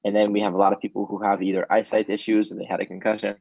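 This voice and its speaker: A man's voice: fairly low pitch, level tone, racing, creaky, a little mellow, no echo, highs cut off. A man whose first language is Hebrew, a startup founder giving casual, earnest interview answers with frequent ums.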